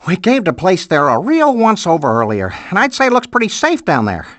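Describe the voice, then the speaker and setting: Lilting Upper Midwestern cartoon animal mom. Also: female voice, on the low side, wildly swooping pitch, a little fast, dry recording. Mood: chipper, helpful. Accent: Upper Midwestern American. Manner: homespun, chipper, motherly. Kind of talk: animated video game voice acting.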